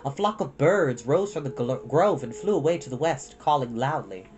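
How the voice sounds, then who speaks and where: A woman reading a children's storybook aloud in an expressive narrating style. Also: extremely low pitch, normal speed. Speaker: storytime reader.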